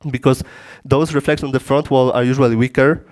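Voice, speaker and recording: A man with a Polish accent giving a technical lecture in a conference room through a PA system, in halting English with frequent restarts. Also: mid-range voice, fairly even intonation, darkish tone. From Poland. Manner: halting non-native phrasing with frequent restarts.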